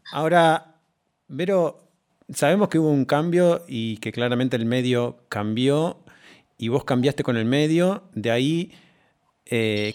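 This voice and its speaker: A man hosting a casual interview conversation, asking questions in a relaxed, hesitant way. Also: medium pitch, clear, resonant tone. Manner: relaxed, hesitant, many fillers. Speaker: podcast host.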